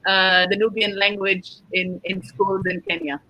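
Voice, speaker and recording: A woman's voice: medium pitch, a little slow, creaky, highs cut off. A woman hosting a live online panel discussion. She reads out viewer comments and answers them, and turns firm and passionate when she sets a point straight. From Sudan, grew up in Egypt. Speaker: panel host.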